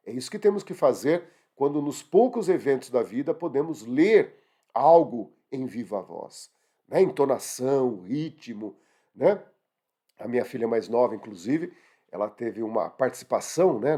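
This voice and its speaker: A middle-aged man with a Brazilian accent teaching an online grammar lesson, talking straight to his students and asking them questions. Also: mid-range voice. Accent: Brazilian Portuguese. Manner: animated, talks to students directly with rhetorical questions.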